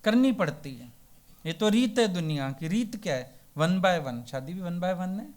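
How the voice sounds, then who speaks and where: A man's voice: sits high, animated, a little slow, darkish tone. A man giving a devotional sermon as a spiritual teacher. He tells folksy parables and keeps asking rhetorical questions. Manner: folksy and plain-spoken.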